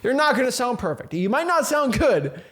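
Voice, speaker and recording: A young man with a notably high voice gives an energetic motivational talk to camera. His speech is casual and slangy, with frequent repeats and restarts as he coaches real estate wholesalers. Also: moderate pace.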